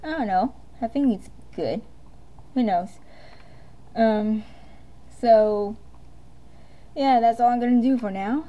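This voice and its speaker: A woman's voice: fairly high pitch, slow pace, pauses often, muffled recording. A woman talking casually and a little hesitantly as an amateur voice actor introducing her audition.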